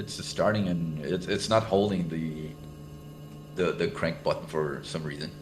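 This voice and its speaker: A man's very deep, low voice at a fairly slow pace with lively intonation, with audible room echo and music in the background. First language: not English. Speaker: helicopter pilot and sim sound designer. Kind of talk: casual chat. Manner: halting, many fillers and repeats.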